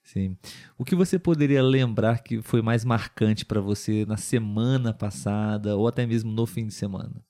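A Brazilian man hosting a casual chat podcast for language learners, speaking clearly and in a friendly way. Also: on the low side, normal speed, dark tone. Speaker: podcast host.

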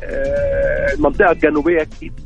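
A man's voice: fairly high pitch, fairly even intonation, fast talker, vocal fry, soft background music. A man from Saudi Arabia calling in to a radio quiz over the phone, answering hesitantly and thinking aloud. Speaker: radio call-in caller. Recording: muffled phone line.

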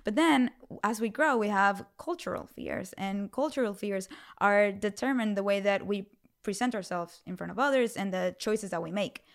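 A woman in her thirties with a smooth, resonant voice. She talks as a podcast guest in a relaxed interview. She tells her stories in an animated way and quotes her own past thoughts. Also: medium pitch, normal speed. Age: 30s. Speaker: podcast guest, speaker on fear. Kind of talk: casual interview conversation.

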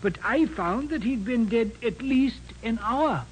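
An actor playing a thoughtful ship's doctor in a 1940s radio drama, hesitant and measured, precise and deferential. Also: male voice, extremely high pitch, expressive, low-quality recording. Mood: thoughtful, puzzled. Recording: hissy old radio recording.

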